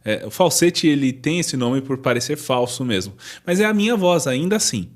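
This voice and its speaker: A man's voice: medium pitch, animated, moderate pace. A man teaching voice lessons, explaining vocal registers directly to the viewer. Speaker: singing teacher. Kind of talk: vocal lesson with sung demonstrations.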